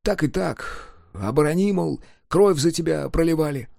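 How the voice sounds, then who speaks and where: A timid, plain peasant woodcarver, glum and halting in speech, voiced by a man reading a fairy-tale novel. He talks warily and pleadingly, a touch above the reader's own pitch. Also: animated, creaky, darkish tone, dry recording, clean studio sound. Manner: hesitant, glum.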